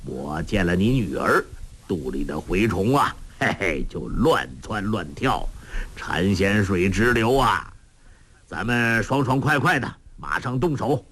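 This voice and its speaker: A man's voice: on the low side, sing-song, measured pace, fairly bright tone, slightly rough, voice pushed down, heavily acted. A man storyteller voicing a jovial, teasing old beggar martial master who chuckles as he talks.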